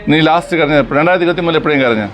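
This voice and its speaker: A man with a notably high, bright-edged voice runs a quick quiz-style lesson. He fires questions, repeats answers back, and jokes with his students. It is recorded outdoors with crows around. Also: soft background music. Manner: drills students with questions and repetition, teasing banter. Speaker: exam coaching teacher. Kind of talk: classroom quiz-style teaching.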